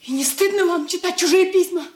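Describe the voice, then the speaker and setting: An actress playing an emotional, pleading young poor relative in a radio drama. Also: female voice, extremely high pitch, brisk, a little mellow. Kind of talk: 1980s radio drama acting. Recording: roomy room.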